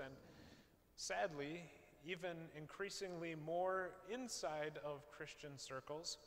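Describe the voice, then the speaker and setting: A male pastor, preaching from a pulpit in a large church, measured and posing rhetorical questions. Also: a little high, a bit bright. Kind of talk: sermon. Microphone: far camera, pulpit mic. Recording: long church reverb, faint hiss.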